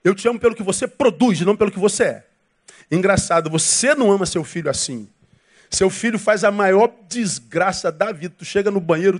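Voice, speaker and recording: A male pastor with a Brazilian Portuguese accent, preaching a sermon in a lively way and acting out quoted voices with humor. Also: sits high, slightly rough.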